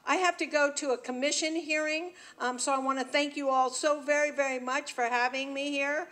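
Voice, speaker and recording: Brisk high-voiced woman debating. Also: fairly even intonation, a bit bright. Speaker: mayoral candidate, civil rights trial lawyer. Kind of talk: debate answer.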